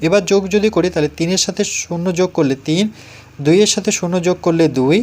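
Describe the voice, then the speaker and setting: A man with a Bengali accent gives a step-by-step math lesson for young pupils. His voice sits somewhat high for a man, and he is patient, repeating numbers digit by digit so nobody gets lost. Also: fast, darkish tone. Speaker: math teacher.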